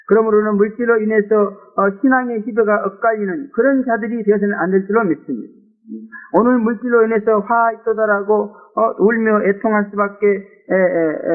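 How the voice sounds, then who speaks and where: A man preaching with a very high voice, emotive and exclaiming, often tossing rhetorical "eh?" asides at his listeners. The sound is thin and phone-like, as on an old lo-fi recording. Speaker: pastor. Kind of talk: sermon.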